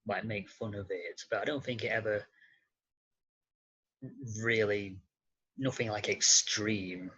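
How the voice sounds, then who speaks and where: A young British man answering interview questions casually, in a hesitant, halting way with repeated starts. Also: fairly low pitch, steady tone, bright, forceful tone, slightly rough, rough recording. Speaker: interview guest.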